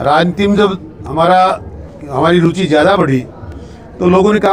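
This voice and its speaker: A man with a high-pitched voice speaks against noticeable background noise. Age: 60s. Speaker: former state legislator, politician. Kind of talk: interview.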